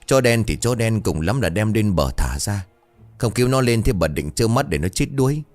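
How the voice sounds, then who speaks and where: A stubborn old boatman speaks in a low, gruff, resolute voice that brushes off any fear, as a male narrator voices him. It is a storybook telling with faint music underneath. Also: expressive, moderate pace, darkish tone, natural voice.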